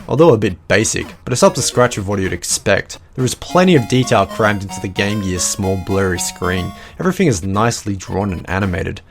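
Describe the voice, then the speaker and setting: A man narrating a scripted retro video game review, with wry, self-deprecating jokes between points. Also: on the low side.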